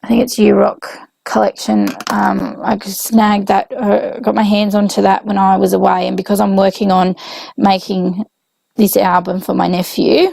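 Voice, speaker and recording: A woman with a young child, hoarse from illness, casually narrating her scrapbook process with lots of ums and self-corrections. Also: mid-range voice, level tone, moderate pace, a little mellow, no room sound, low-quality recording. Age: adult with a young child. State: hoarse, voice coming and going from illness. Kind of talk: casual voice-over narration of a craft video.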